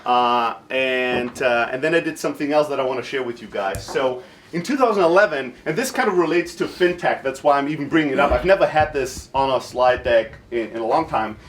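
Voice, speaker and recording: A man's voice: medium pitch, expressive, brisk, slight background noise. A man in his thirties from Greece, raised in southern Germany, giving an informal workshop talk in a blunt, irreverent, self-deprecating manner while jet-lagged. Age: 30s. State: jet-lagged, short of sleep.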